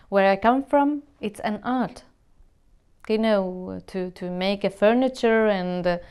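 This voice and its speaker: A woman's voice: medium pitch, darkish tone, clean tone. A woman from Syria, a musician, speaking English in an earnest interview and searching for words as she talks. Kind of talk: interview answers to camera.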